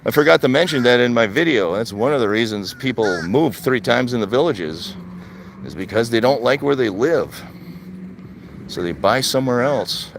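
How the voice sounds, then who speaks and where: A medium-pitched older man from Wisconsin chats on a live stream as he walks outdoors through a retirement community. As a vlogger, he keeps it plain and conversational, tending to repeat himself, with slight background noise behind him.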